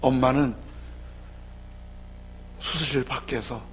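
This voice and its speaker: A man preaching a sermon as a pastor, telling a story with emotion and swinging between loud outbursts and hushed whispers. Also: medium pitch, steady tone, slow, slight background noise.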